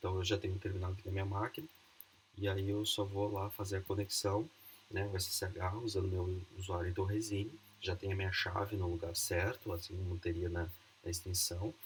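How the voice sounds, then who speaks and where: This soft-spoken, somewhat breathy voice moves at a moderate pace, with fairly even intonation and very even loudness. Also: man. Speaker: university lecturer. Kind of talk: online lecture.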